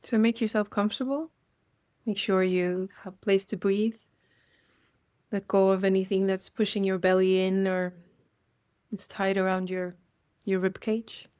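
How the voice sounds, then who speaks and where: Woman doing a guided meditation, gentle and slow-going, mid-pitched voice, lots of pauses. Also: level tone, clear, resonant tone. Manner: gentle, unhurried, with long pauses.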